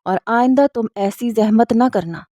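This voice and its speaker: A woman reading the lines of an angry young office worker, with scolding, sharp retorts. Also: on the high side, dry recording, clean studio sound, close to an everyday voice.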